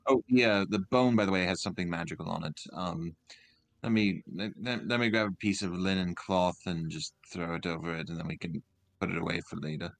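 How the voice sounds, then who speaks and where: A man talks casually at a tabletop game, thinking aloud about his character's actions. His voice sits fairly low. The sound is dry, with no room on it. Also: fairly even intonation, brisk, gravelly, fairly bright tone, no echo.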